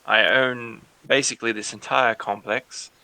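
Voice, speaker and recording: A man's voice: medium pitch, fairly even intonation, unhurried, pushed and bright, dry recording, low-quality recording. A man playing a blustering, rich, boastful dad. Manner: blustering, self-important. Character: wealthy boastful father, dismissive of his son's troubles.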